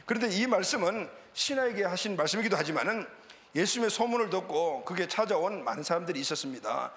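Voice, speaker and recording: High-pitched, lively male preacher. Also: fast. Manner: animated preaching with call-and-response amens. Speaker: pastor. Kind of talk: sermon. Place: church sanctuary. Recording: reverberant church hall.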